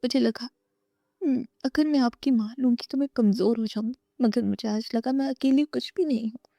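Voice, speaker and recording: Tearful young wife, soft and pleading, read by a woman, mellow and dry. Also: mid-range voice, creaky, no room sound, close to an everyday voice. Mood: desperate.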